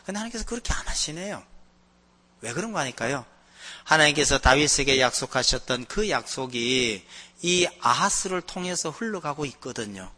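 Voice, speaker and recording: A man's voice: fairly high pitch, big pitch swings, normal speed, sharp tone. A male pastor preaching a sermon, telling anecdotes with animation and acting out the voices in them.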